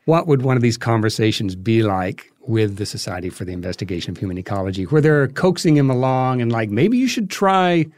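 A man being interviewed as a guest, explaining history in a conversational, halting way as he thinks aloud. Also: mid-range voice, lively intonation, darkish tone, dry recording. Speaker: interview guest, filmmaker and podcast creator.

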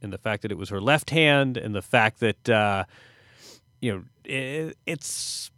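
A man's voice: lowish voice, animated, a little slow, sharp tone, dry recording. A man hosting a conversational sports podcast, speaking in thoughtful, hesitant phrases with dry asides. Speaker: podcast host.

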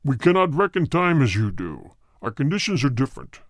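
A male audiobook reader voicing a cold, hard, deep spirit that speaks through a medium in slow, grave sentences. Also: big pitch swings, no echo, clean studio sound. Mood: solemn. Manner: slow, grave, measured pronouncements. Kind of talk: audiobook reading.

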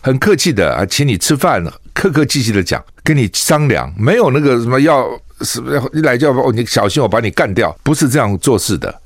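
Very animated and fairly quick, with hardly any pauses, a medium-pitched older Taiwanese radio host fires off opinionated commentary and scolding rhetorical questions. The studio microphone gives a clean sound with no room tone.

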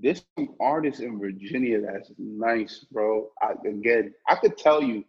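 Slangy husky young man, muffled sound. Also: lowish voice, a little slow. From New York. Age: 20s. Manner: slangy, profane, loose and laid-back. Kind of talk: casual interview chat.

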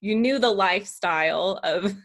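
A woman hosts a business podcast, moving from a scripted intro into a casual interview. Her mid-range voice is a bit bright at a moderate pace, and she's upbeat and chatty, using "like" a lot.

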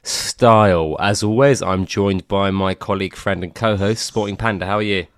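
A young man hosting a casual podcast chat, animated, laughing often and rambling in quick runs. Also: low voice, clear, resonant tone, no echo, studio quality. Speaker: podcast host.

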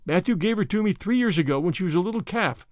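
A composed young woman speaks with firm, careful dignity, as a male narrator puts her on. Her voice sits high and lively, recorded close and dry. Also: quick pace, dry recording. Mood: dignified.

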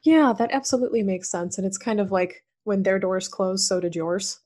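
A woman from the American South leads the interview in a bubbly, enthusiastic way, giggling often between questions. Her pitch sits at an average, middle level. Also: normal speed, darkish tone. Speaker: podcast interviewer. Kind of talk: conversational interview.

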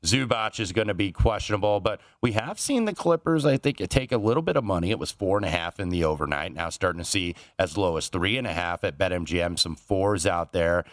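A man giving conversational sports betting analysis in a measured way, with asides. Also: deep voice, animated, dry recording, studio quality.

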